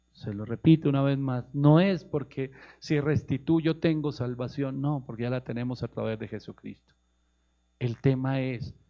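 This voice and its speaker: A man with a Colombian accent preaching a sermon as a pastor, rising into high emphatic questions and calling his listeners brother. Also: vocal fry. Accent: Colombian Spanish. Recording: muffled lo-fi radio broadcast.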